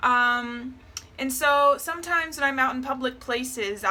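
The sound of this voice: A raised, projected voice at a moderate pace with fairly even intonation. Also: woman, high pitch for a woman. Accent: Southern California.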